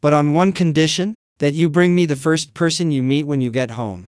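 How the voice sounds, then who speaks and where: A grave, commanding white wolf from a storybook fairy tale, voiced by a man telling the story. He speaks slowly and heavily, with a slightly high voice. The sound is dry and close. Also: darkish tone, smooth, dry recording, lightly acted. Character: stern menacing white wolf, fairy-cursed lord.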